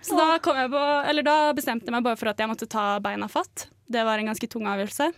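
A woman's voice: fairly high pitch, no echo. Laughing young woman telling a story. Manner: laughs through anecdote, many fillers. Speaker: radio show co-host. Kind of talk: casual storytelling chat. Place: radio studio.

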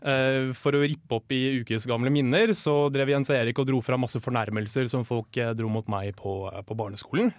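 A young man co-hosts a comic radio chat, full of playful, mock-serious advice that can turn candid and earnest. His mid-pitched voice sits close and dry against the microphone, with no room sound around it. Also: fairly even intonation, no echo. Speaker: podcast co-host.

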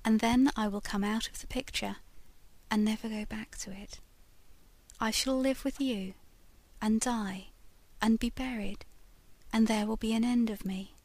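A woman's voice: on the high side, fairly even intonation, no room sound. A woman whispering as a tender ghost bride from a portrait. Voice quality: hushed whisper. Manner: slow, yearning, intimate.

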